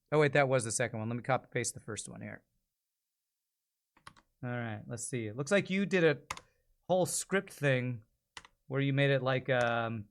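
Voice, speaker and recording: A man's voice: mid-range voice, clean tone. A man in his forties chatting casually on a livestream, thinking aloud as he reads and reacts. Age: 40s. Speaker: streamer and amateur voice actor.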